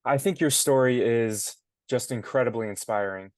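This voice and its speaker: Man, interviewer, curious, gentle, hesitant, medium pitch, dry sound. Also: moderate pace, no room sound. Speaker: podcast co-host. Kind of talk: interview questions.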